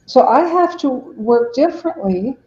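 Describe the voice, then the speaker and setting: A fairly high-voiced woman with a dark, mellow tone speaks earnestly as a podcast guest, acting out the words of the people she describes. Her audio sounds roomy and a little dull, as from a remote connection. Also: expressive, a little slow. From Mexico. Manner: earnest, explanatory, acts out quotes. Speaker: ministry director, guest. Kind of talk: podcast interview.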